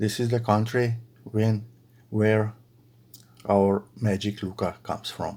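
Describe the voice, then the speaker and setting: A man with a Slovenian accent, fairly low pitch, monotone, flat intonation, a very slow pace and long, frequent pauses. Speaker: crochet video creator. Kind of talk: casual chat to followers. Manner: halting, with filler words.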